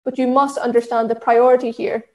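An Irish woman with a fairly high voice speaks earnestly, teaching in an instructive, steady way, often restarting her sentences and adding fillers. Her voice rings in an echoey room. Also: fairly quick, muffled recording. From Ireland. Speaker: diversity and inclusion trainer. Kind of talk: talk at an online session.

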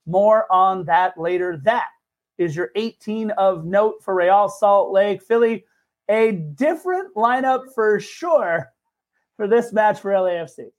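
High-voiced guy cracking jokes on a sports podcast, teasing his cohost. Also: unhurried. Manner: wisecracking, teasing. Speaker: podcast co-host. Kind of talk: casual sports podcast chat.

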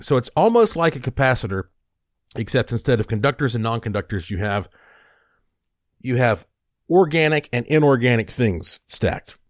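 A man lecturing in a casual, explanatory way, pausing for fillers and restarting his sentences now and then. His voice sits at an ordinary pitch. It is recorded close and dry, with no room sound. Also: dry recording. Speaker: host presenting a product video. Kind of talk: explanatory monologue.

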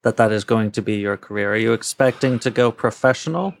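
A man playing a fussy, stern college professor who talks slowly and haltingly, filling gaps with uh's. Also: on the low side, creaky, dry recording. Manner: slow, halting, full of uh's.

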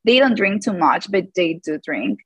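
A woman's voice: lowish voice, sing-song, moderate pace, husky, no room sound. Hesitant woman in her thirties. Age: 30s. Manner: hesitant, lots of fillers and restarts, laughs often. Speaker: guest, yoga teacher. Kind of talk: casual live-call interview.

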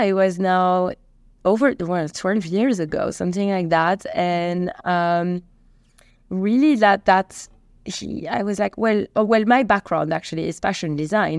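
A woman's voice: mid-range voice, dry recording, studio quality. A woman from Belgium with a Belgian accent, telling stories casually as an interview guest and acting out quoted dialogue. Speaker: company co-founder and CEO, podcast guest.

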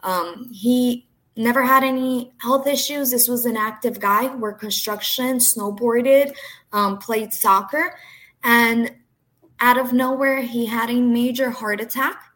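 A young woman from Brazil whose first language is Portuguese, speaking with a New Jersey accent. Her voice sits a little high, and she talks earnestly, filling pauses with "um". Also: fairly even intonation, a bit bright. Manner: earnest, frequent "um" fillers. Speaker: health insurance agent, guest. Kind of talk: podcast interview, personal story.

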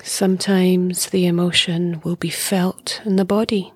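A woman guides a meditation in a soft, breathy, lowish voice that often sinks close to a whisper. She speaks very slowly and calmly, leaving long pauses. The sound is close and dry. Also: no echo. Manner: calm, soothing, unhurried with long pauses. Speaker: meditation teacher.

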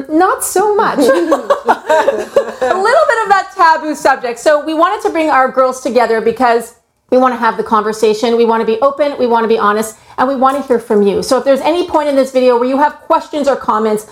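A fifty-year-old woman hosting a panel discussion, upbeat and laughing easily. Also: high-pitched. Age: 50s. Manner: upbeat, warm hostess, laughs often. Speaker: host, co-founder.

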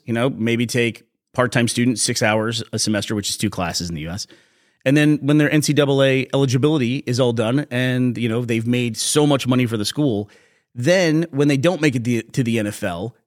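Slightly hoarse man hosting a podcast. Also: medium pitch. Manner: rambling, explanatory, relaxed. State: a little hoarse. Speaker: podcast host. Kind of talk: casual chat.

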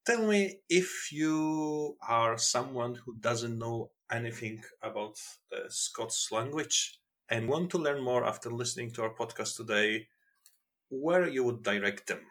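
A man hosting a podcast interview, halting and repeating words as he searches for phrasing. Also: medium pitch, fairly bright tone. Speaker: podcast host.

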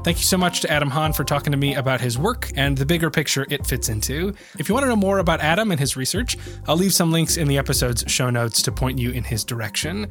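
A young man hosts a podcast with a slightly high, congested voice from a cold. He is chatty and laughs easily. Faint music plays behind him. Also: expressive, fast. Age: young adult. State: congested, stuffed-up voice. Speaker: podcast host. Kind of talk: interview and outro.

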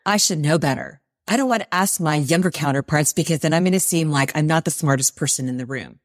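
A woman's voice: low-pitched, quick pace, no echo, clean studio sound. A woman in her forties, a guest on an interview podcast, talking in an upbeat, encouraging way. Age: 40s.

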